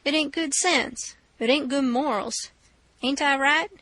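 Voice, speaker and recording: A woman voicing a quiet, calculating male robber who argues his plan in a storybook reading. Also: high voice, a little slow, no echo. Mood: scheming. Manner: quiet, earnest, reasoning. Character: calculating male river robber, cool and persuasive.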